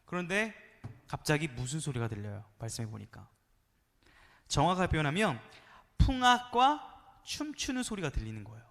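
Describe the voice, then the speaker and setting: A man preaching a playful, animated sermon to a youth congregation, sometimes acting out voices and calling on the listeners to respond. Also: a little high, normal speed, long pauses, big-room sound. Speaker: youth pastor. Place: church sanctuary.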